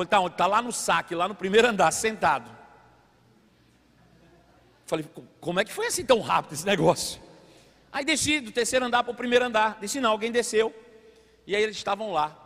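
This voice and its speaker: Male pastor, high voice, lively storyteller, big reverberant church hall. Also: fast talker, long pauses. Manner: animated storytelling, acts out voices. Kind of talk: sermon.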